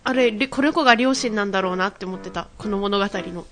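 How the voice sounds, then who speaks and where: A woman co-hosting, reacting to a story with teasing, quick interjections. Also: mid-range voice, fairly bright tone, soft background music. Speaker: co-host and listener. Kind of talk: casual chat.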